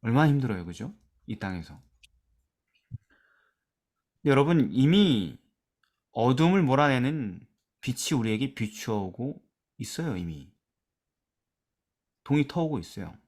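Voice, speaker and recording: A man leading a church Bible study discussion, asking questions and reading verses aloud, trailing off softly at the ends of phrases. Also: very animated, unhurried, long pauses. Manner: asks questions and drops to a soft low voice at phrase ends; reads scripture aloud with emphasis.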